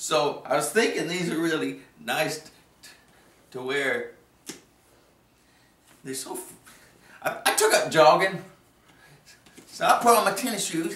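A man's high-pitched voice at a fairly slow pace, with long, frequent pauses, big swings in loudness and audible room echo. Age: 40s. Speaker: stand-up comedian. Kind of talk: comedic monologue to camera. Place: home room. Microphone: camera far.

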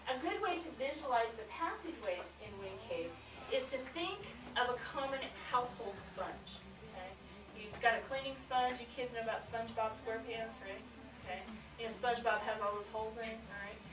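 A woman speaks at a fairly quick pace, her loudness swinging widely. Noticeable background noise runs underneath. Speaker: park ranger guide. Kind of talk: guided tour talk. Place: street. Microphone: old recording.

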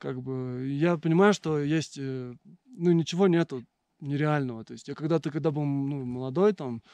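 With a quiet background and a dry, close sound with no echo, a man speaks in a fairly high voice with ordinary pitch variation. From Moscow, Russia. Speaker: mountaineer and rafter. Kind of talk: interview. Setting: mountain hut. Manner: hesitant, many fillers.

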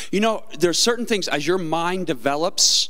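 Behind the voice, the background is quiet. The words come at a fairly quick pace. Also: man. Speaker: preacher. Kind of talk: sermon. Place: church. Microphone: handheld.

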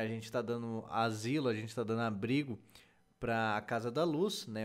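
A man is heard against a quiet background. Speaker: gaming streamer. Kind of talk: casual vlog chat. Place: home room. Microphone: studio mic.

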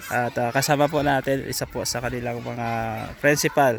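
Over noticeable background noise, a man with a medium-pitched voice speaks fairly quickly with ordinary pitch variation. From Philippines, Negros (Calatrava). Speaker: vlogger doing charity outreach. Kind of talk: casual interview. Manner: halting, many fillers.

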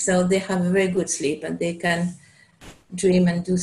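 The woman's delivery is monotone and flat, and she sounds somewhat breathy. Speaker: teacher. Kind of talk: lecture. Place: home room. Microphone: webcam.

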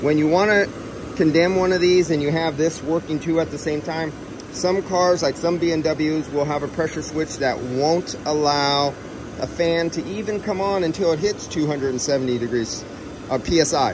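A man at a fairly slow pace, with ordinary pitch variation and noticeable background noise. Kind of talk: tutorial. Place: garage.

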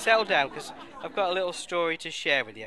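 Here a man speaks with a northern English accent and a high pitch. His tone is animated. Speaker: stand-up comedian (animated matchstick character). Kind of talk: stand-up comedy set with one-liners and puns. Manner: animated, chirpy, punchline-driven with pauses for laughs.

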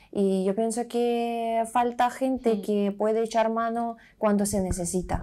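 The voice has a dark, mellow tone and a flat monotone, moving at a fairly slow pace with very even loudness over a quiet background. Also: woman. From eastern Ukraine, Donetsk; Ukraine. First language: Russian or Ukrainian (speaking Spanish). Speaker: refugee aid worker; interviewee. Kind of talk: interview. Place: office.

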